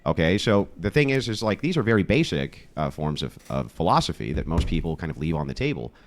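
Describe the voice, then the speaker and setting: Casting: male online debater, deep and very expressive voice, assertive and argumentative. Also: fast, a little hiss or hum. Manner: assertive, challenging, emphatic. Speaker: debater, online course seller.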